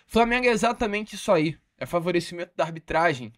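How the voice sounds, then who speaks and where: A man's voice: high voice, animated, fast, a bit bright. A man from Brazil hosting a football channel, giving indignant, emphatic commentary. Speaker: sports channel host.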